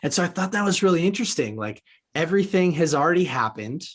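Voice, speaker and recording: A man's voice: fairly high pitch, expressive, fast talker. A man from the United States hosting a conversational podcast interview, musing reflectively at length.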